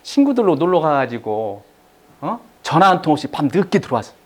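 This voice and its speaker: A man's voice: a little high, sing-song, fairly quick. A middle-aged man giving a live lecture to an audience, repeating key phrases and having them echo him back.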